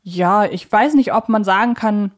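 A woman's voice: medium pitch, unhurried. Chatty woman co-hosting a podcast. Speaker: podcast co-host. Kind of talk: conversational podcast discussion.

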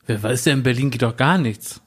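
A man's voice: mid-range voice, fairly quick, fairly bright tone, husky. Teasing man in casual banter. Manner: teasing, throws in provocative questions. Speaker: co-host. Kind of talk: casual chat.

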